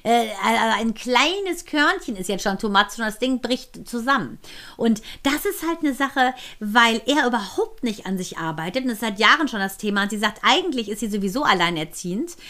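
A woman co-hosting a podcast, chatting casually and telling an animated story, acting out the quoted lines and laughing often. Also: a little high, normal speed. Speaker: podcast co-host. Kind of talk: casual chat.

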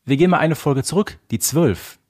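A man's voice: a little high, expressive, fairly quick, darkish tone. A man co-hosting a podcast, talking casually and emphatically in a mock-exasperated rant. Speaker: podcast co-host. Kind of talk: casual discussion of an audio drama series.

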